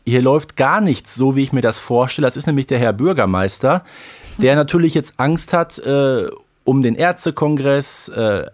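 A man's voice: mid-range voice, darkish tone. A man hosting a podcast in casual chat, with many fillers. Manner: chatty, frequent fillers. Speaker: podcast host. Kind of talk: casual chat about a radio play.

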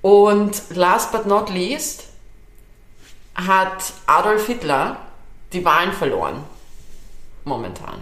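A woman's voice: mid-range voice, expressive, takes it slowly, long pauses, a bit bright, roomy sound. A young woman co-hosting a podcast in casual chat, talkative, laughing often and swearing casually. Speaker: podcast co-host.

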